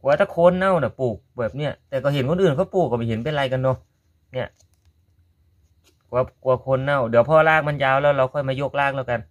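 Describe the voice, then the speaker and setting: A chatty man with a Korat Thai accent talks viewers through his gardening in a relaxed how-to vlog. He keeps addressing them as brothers and sisters, and his voice sits at an ordinary middle pitch. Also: fast talker, dull audio. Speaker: gardening vlogger.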